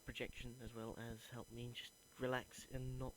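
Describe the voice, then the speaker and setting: Earnest young man, flat delivery. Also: medium pitch, normal speed, slight background noise, low-quality recording. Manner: earnest, thinking aloud. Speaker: acting student. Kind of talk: reflective voice diary.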